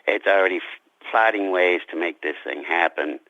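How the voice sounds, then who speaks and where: A man being interviewed as a writer, talking reflectively about his craft in deliberate, halting phrases. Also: low-pitched, no echo, lo-fi sound.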